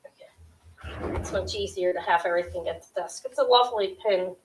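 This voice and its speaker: A middle-aged woman with a sharp, high-pitched voice runs a live jewelry auction into her webcam at home. She talks quickly and loosely, filling gaps with ums and self-corrections as she chats with viewers. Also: rough recording. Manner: quick, scattered, chatty with frequent ums and restarts. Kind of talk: casual live-stream selling. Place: small home room with shelves of jewelry displays.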